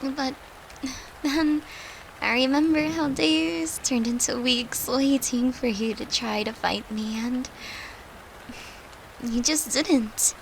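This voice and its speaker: A tender human girlfriend played by a woman speaks slowly and earnestly, straight to her lover, in an intimate audio roleplay. Her voice sits on the high side, and there is faint noise behind it. She is an occult summoner, soft and confiding as she comforts. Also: fairly even intonation, exaggerated voice, poor audio. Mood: fond, warm. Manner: soft, earnest, confiding, with sighs and breathy laughs.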